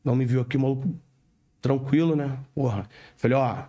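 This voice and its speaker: A man's voice: medium pitch, moderate pace, mellow, husky. A man with a Rio de Janeiro accent, a police corporal telling a story as a podcast guest in slangy street talk, with sound effects. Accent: Rio de Janeiro Portuguese. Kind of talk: casual storytelling.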